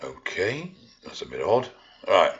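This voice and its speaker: A man with a Yorkshire accent and a very low, deep voice talks straight to his viewers. He is blunt, dry and swears without a second thought. The sound is a little dull and lo-fi. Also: huge pitch swings, unhurried, fairly bright tone. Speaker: fitness and art vlogger. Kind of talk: casual chat to viewers. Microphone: own vlog mic.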